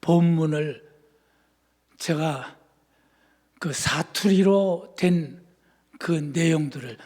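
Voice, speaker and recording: A pastor from Seoul with a high-pitched voice delivers his sermon, climbing into fervent shouts and then sinking into soft, quiet asides. His voice rings through a church sanctuary with a long, lingering reverb. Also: very slow.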